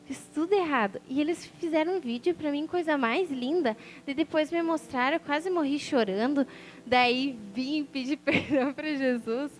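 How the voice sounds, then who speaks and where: Speaking at a normal pace in a high-pitched voice, this preacher shares her personal testimony as a sermon. She narrates it in an animated way, imitating the voices of those she quotes.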